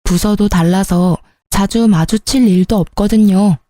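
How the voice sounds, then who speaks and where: A woman's voice: mid-range voice, a little slow, warm tone, no room sound, studio quality. A woman in her thirties narrating a first-person story in a scripted way, with a bitter, indignant tone.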